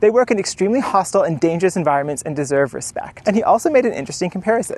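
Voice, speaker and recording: Against noticeable background noise, a woman at a medium pitch speaks at a very fast pace with very wide pitch swings. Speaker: vlogger. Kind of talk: opinion monologue. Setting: outdoors.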